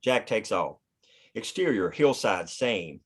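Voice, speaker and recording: A man's voice: lowish voice, expressive, slow, slightly rough. A man reading scene headings and action lines as the narrator of a screenplay. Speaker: stage-direction reader.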